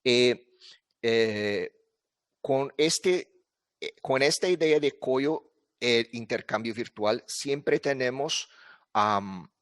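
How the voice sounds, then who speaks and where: A man giving an academic presentation at an online congress in a language that is not his first, speaking haltingly with many filler sounds and restarts. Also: mid-range voice, no room sound, clean studio sound. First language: not Spanish. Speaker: conference presenter.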